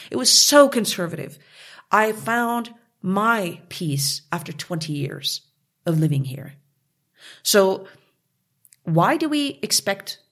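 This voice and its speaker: Lady on an interview, husky lowish voice, gets fired up and emphatic. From Canada. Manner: passionate, emphatic, with rising outbursts. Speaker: guest. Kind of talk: conversational interview.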